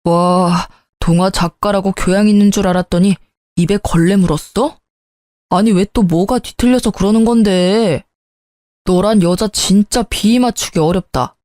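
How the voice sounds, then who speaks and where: Brief: brash two-faced young groom, voiced by a woman, lower voice. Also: moderate pace, dark tone, dry recording, clean studio sound, natural voice. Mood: grudging. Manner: brash, pleading when cornered.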